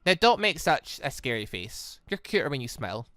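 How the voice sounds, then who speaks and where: A man voicing a sly, menacing woman villain in a visual novel, calm, measured and teasing. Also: medium pitch, no room sound, studio quality, voice pushed down. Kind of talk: visual novel read-aloud.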